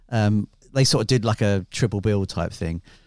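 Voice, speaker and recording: This is a man talking. Nothing can be heard behind him, and the recording is very clean. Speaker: podcast host. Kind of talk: casual interview.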